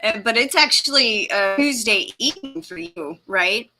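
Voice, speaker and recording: A woman hosting a casual live-stream chat. She reads out viewer comments, laughs often and fumbles with the streaming software. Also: a little high, lively intonation, normal speed. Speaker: host.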